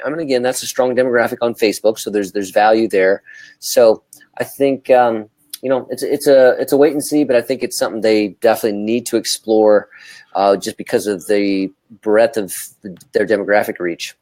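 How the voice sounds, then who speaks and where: A man co-hosting and moderating a casual panel discussion, halting and circling back to rephrase his thoughts. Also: mid-range voice, a little mellow, no echo. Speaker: talk show co-host.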